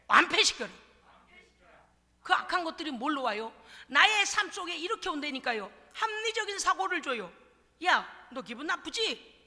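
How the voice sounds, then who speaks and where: Animated woman pastor preaching emphatically. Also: high-pitched. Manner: emphatic, call-and-response preaching, acts out quotes. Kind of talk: sermon. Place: church sanctuary. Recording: long reverb of a church hall.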